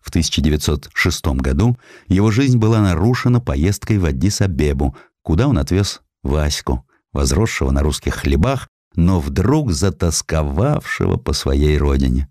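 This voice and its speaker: A man reading a scripted historical story as an audiobook narrator, in a measured, expressive way with deliberate pauses. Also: low voice, no echo, studio quality.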